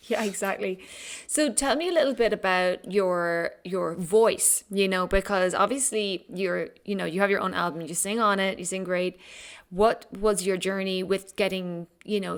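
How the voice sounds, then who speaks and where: A woman hosting a podcast, interviewing a guest in a thoughtful, explanatory way with brief laughs. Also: lowish voice. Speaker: podcast host.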